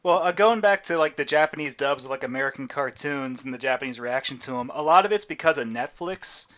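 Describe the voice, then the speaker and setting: A man's voice: mid-range voice, brisk, a bit bright. A man chatting casually as a podcast host, explaining at length and swearing now and then. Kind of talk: casual chat. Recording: muffled lo-fi audio.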